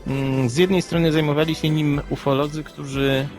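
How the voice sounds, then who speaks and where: A man co-hosting a podcast, giving measured, analytical commentary in an explanatory conversational style. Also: fairly high pitch, steady tone, darkish tone, faint music behind.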